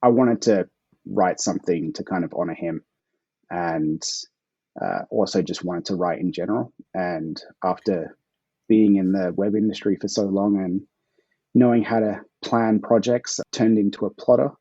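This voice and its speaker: Laid-back Australian man, husky low voice. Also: normal speed, dark tone, no room sound, highs cut off. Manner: laid-back, chuckles between answers. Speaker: guest author. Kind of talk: casual interview answers.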